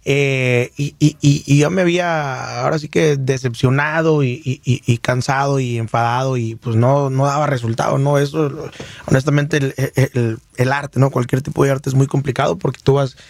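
A man's voice: mid-range voice, steady tone, moderate pace, gravelly, no room sound. Laid-back man with a Michoacán accent. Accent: Michoacán Mexican Spanish. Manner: rambling, many fillers and restarts. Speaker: singer guest. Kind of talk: casual interview storytelling.

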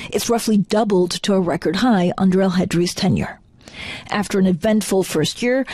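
A woman's voice: mid-range voice, darkish tone, slightly rough, no echo. A woman hosting an interview podcast, polished in her scripted introduction and conversational with her questions.

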